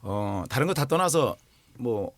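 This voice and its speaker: A man in his forties, an actor, talking earnestly about a role in an interview, pausing often to find his words. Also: medium pitch, expressive, dry recording. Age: 40s. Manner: earnest, searching for words with many fillers. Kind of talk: film promotion interview.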